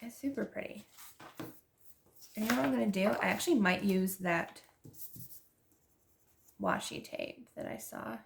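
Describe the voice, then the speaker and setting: A woman's voice: medium pitch, a little slow, creaky, long pauses, a little hiss or hum. A young woman with a stuffy nose from allergies, chatting casually and gushing as she decorates her planner. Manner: chatty, gushing, restarts often. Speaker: planner vlogger.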